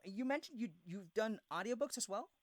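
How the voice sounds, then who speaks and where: An interviewer asking questions in an eager, halting way with many fillers. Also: mid-range voice, expressive, no echo, clean studio sound.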